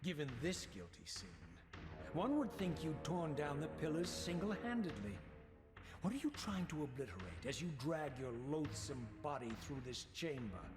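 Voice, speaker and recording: An actor playing a bitter, defiant undead wraith in a video game, speaking with theatrical, sardonic eloquence. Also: male voice, on the high side, very animated, moderate pace. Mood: sardonic accusation. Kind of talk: scripted video game drama. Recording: echoing game audio, loud music.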